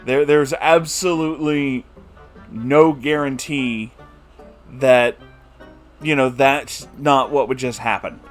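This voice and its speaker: A man's voice: mid-range voice, steady tone, takes it slowly, long pauses, soft background music. A man giving a comedic recap of a book chapter, exasperated and incredulous, with laughing asides. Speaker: book reviewer.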